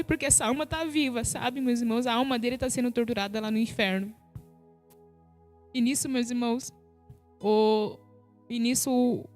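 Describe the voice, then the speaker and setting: A woman with a notably high voice tells her spiritual testimony on a live stream. She speaks with feeling and keeps turning to her listeners as brothers and sisters, asking whether they follow. Soft music plays faintly behind her. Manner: emotional retelling, repeats "sabe, meus irmãos". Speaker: guest giving a religious testimony.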